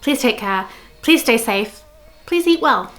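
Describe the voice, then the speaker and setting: A woman's voice: fairly high pitch, animated, unhurried, a bit bright, soft background music. A woman giving casual cooking vlog narration, chatty and dryly humorous.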